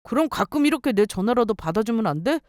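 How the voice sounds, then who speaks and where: A woman's voice: on the high side, lively intonation, quick pace, a little mellow, dry recording, studio quality, lightly acted. A woman voicing a clingy, self-pitying ex-husband in a dramatized story reading, pleading and whining. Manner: whiny, pleading.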